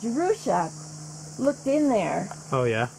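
A woman's voice over noticeable background noise. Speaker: guide showing family member around. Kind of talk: casual conversational tour. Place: forest. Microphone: camera far.

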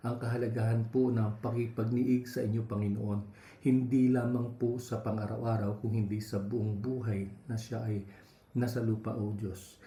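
A man's somewhat breathy, dark, mellow voice at a medium pitch, monotone and flat, with a Filipino accent. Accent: Filipino (Tagalog). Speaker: devotional leader. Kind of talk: fervent prayer. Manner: earnest, reverent.

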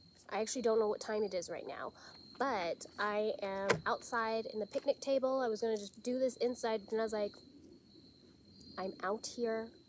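At a moderate pace, a woman speaks with fairly even intonation, the sound dry with no echo and noticeable noise in the background. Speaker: vlogger. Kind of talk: casual vlog chat. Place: open country. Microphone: phone near.

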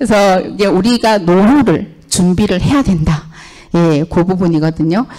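This woman speaks at a fairly slow pace with ordinary pitch variation. Behind her, the background is quiet. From China. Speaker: network marketing speaker, former teacher; speaker, former teacher. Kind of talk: business presentation lecture. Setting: seminar room with live audience. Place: classroom. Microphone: handheld.

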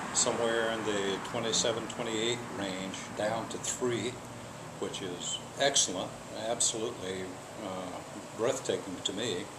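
Loud background noise surrounds the speaker. A man talks at a fairly slow pace. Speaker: cancer patient. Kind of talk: testimonial interview answer. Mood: calm, hopeful. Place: garden. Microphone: camera far.

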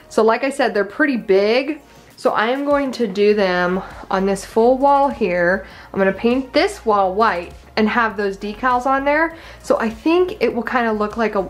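A woman's moderately paced speech comes with faint background music. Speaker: home renovation vlogger. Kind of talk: casual vlog chat. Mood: upbeat, excited. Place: home room. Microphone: phone near.

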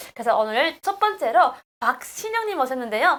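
Woman at a fairly quick pace with very wide pitch swings. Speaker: show host. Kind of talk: interview, talk show.

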